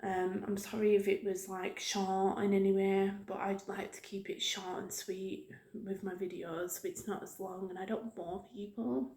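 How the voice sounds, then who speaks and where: A woman giving a soft-spoken, informal ASMR ramble as a video host, talking in a hesitant, loosely wandering way. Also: mid-range voice, level tone, moderate pace, hardly any pauses. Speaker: YouTube host. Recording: roomy, echoing room sound.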